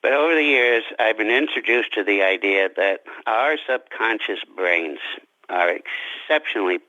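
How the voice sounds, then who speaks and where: A man being interviewed as a writer, talking reflectively about his craft in deliberate, halting phrases. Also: lowish voice, lively intonation, sharp tone, no room sound, muffled recording.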